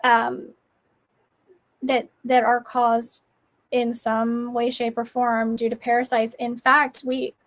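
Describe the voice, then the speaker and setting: An outspoken woman guest talks over a video call, pressing her points with conviction. Her voice sits a little higher than usual. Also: completely flat delivery, slow. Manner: emphatic, opinionated. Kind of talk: casual live-stream chat.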